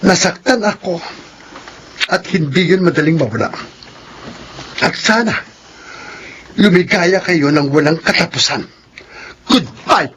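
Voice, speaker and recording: A man playing a flamboyant, sharp-tongued gay man in a radio drama, with a theatrical, campy delivery. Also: on the high side, animated, a little slow, long pauses, slight background noise. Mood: bitter. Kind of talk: radio drama acting in Filipino soap.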